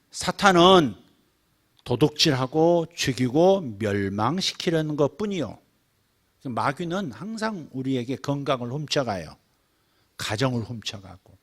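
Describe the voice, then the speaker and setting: Korean pastor preaching with swelling emphasis. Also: male voice, on the high side. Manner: swings from soft asides to loud emphatic peaks, acts out childlike prayers. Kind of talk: sermon.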